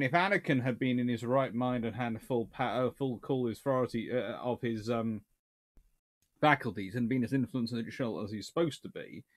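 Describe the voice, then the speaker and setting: Rambling man chatting on a livestream. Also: mid-range voice. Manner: rambling, animated, with many restarts and fillers. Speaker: naval history livestream host. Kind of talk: casual livestream chat reading viewer comments. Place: small home study with shelves of books.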